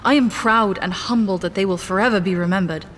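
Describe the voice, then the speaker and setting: A woman playing a composed, determined scientist in an audio drama, with formal, measured diction. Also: medium pitch, background noise, close to an everyday voice. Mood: guarded, solemn.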